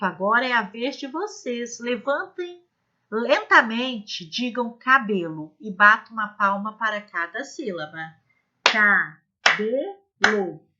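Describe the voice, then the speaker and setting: A woman teaching how to run early literacy activities, speaking slowly and demonstrating each step clearly. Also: on the high side, sharp tone, lo-fi sound. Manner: slow, clear, demonstrative teaching with modeled examples. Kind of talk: instructional video lesson.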